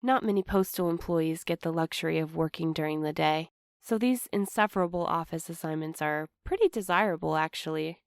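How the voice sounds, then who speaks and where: A woman playing an anxious, apologetic young postal worker in a fiction podcast, earnest and halting in her delivery. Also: deep voice, vocal fry, dry recording, studio quality. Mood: fond, hushed. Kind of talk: fiction podcast audio drama acting.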